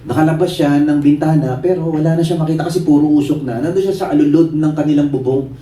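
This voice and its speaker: A Filipino-accented pastor preaching a sermon in a lively storytelling way, mixing Tagalog and English and acting out the people in his stories. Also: a little high, fast, a little hiss or hum. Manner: storytelling, animated, acts out voices. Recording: echoey hall, voice from a distance.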